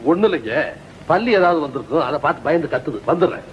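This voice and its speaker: A man playing a fretful, hurried father. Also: on the high side, expressive, very noisy, natural voice. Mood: coaxing. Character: fussy, fretful middle-aged village father. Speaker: father, post office worker. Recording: dull old film soundtrack with music.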